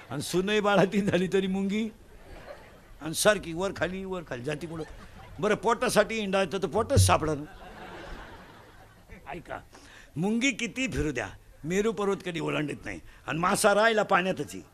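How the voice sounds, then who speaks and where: A man from Maharashtra delivering a comic devotional sermon, animated, with loud bursts and mimicry of village folk. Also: sits high, normal speed, slight background noise. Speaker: kirtan preacher.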